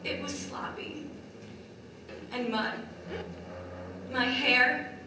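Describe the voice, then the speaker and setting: A woman performing a stage monologue as a battered Native American wife, wounded, in deliberate, halting short phrases. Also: high-pitched, steady tone. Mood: subdued, haunted. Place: large echoey room, distant microphone. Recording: very echoey hall from far off, faint noise.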